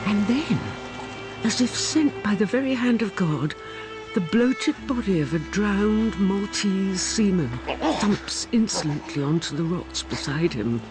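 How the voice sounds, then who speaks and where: Dramatic, deliberate narrator. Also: medium pitch, expressive, music in the background, rough recording. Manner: emphatic, deliberate.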